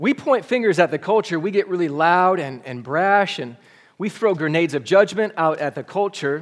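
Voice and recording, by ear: A passage is read aloud naturally, the pitch varying in an ordinary way.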